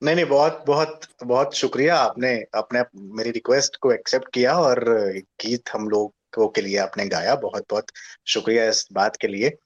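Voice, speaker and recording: A man's voice: mid-range voice, moderate pace, breathy edge, lo-fi sound. A man hosting a program, politely thanking his guests and asking them questions. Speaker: program host. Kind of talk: interview talk.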